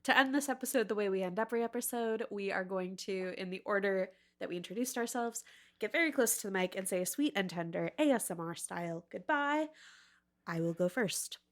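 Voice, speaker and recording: A woman's voice: medium pitch, fairly quick. A woman co-hosting a casual podcast, chatting in a playful, jokey way. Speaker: podcast co-host.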